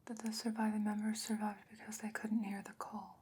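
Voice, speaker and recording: In an ASMR roleplay, a woman voices a calm, thoughtful fantasy sorceress with a pensive, grave mood. Her mid-range voice comes as a breathy, measured whisper broken by deliberate pauses.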